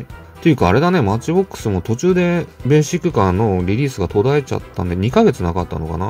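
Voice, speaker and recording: A man talks casually as he opens toy cars, muttering and chuckling to himself. His voice is low and mellow with a gravelly edge. His pitch swings a lot as he goes, and faint music plays under his talk. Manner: muttering to himself, chuckling, self-answering asides. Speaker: toy car collector vlogger. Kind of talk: casual unboxing chat.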